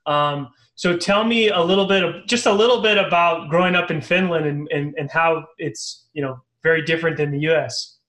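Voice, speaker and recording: A man hosts a business interview show in an upbeat, casual way. His voice sits a bit high, and he often repeats words and says "um" as he frames his questions. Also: normal speed, a bit bright. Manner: upbeat, many fillers and repeats. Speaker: podcast host.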